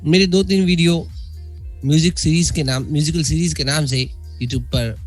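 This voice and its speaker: A man's voice: fairly high pitch, normal speed. A man giving a spoken online lesson on music keyboards, explaining step by step with fillers and restarts.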